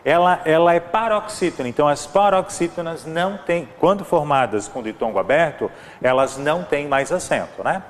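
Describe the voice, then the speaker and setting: A man's voice: fairly high pitch, animated, normal speed, hardly any pauses, slight background noise. Brazilian man teaching grammar, reverberant room. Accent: Brazilian Portuguese. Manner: explanatory, repeats examples, frequent "né?" and "ó". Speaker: Portuguese language teacher. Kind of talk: exam-prep grammar lesson.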